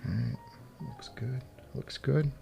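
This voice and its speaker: A man's voice: mid-range voice, slow pace, creaky, warm tone, faint music behind. A man hosting a casual live stream, muttering to himself and chuckling as he assembles headphones. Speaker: livestream host. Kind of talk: casual live-stream chat while working. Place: home garage studio.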